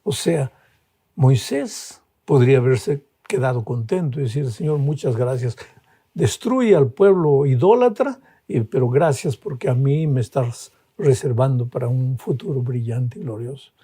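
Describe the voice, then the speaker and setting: A man preaching a sermon as a pastor, impassioned, with high emphatic peaks and a husky voice. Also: normal speed, dark tone.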